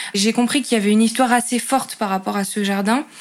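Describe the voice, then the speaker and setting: This woman's fairly high voice holds a fairly even intonation. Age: 30s. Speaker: music teacher and volunteer. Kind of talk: testimony. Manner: halting.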